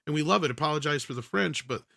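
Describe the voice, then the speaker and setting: A man's voice: a little high, animated, quick pace, gravelly, a crowd in the background. A man giving casual, opinionated commentary on movies in a panel discussion, talking at length as he argues his point. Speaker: panelist on an entertainment news talk show.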